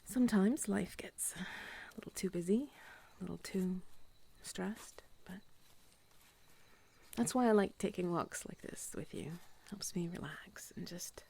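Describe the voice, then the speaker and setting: A woman playing an affectionate, playful companion on a moonlit walk in an intimate whispered role-play, with a soft, breathy voice. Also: lowish voice, measured pace, a little hiss or hum. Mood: tender, soothing.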